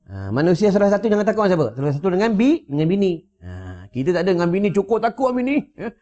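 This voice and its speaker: A man's voice: sits high, huge pitch swings, rapid-fire, mellow. A man giving a sermon with humorous asides, often asking if listeners understand, recorded indoors at home on a wireless lapel mic. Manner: rhetorical, keeps checking listeners follow. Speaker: religious teacher. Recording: dull lo-fi sound.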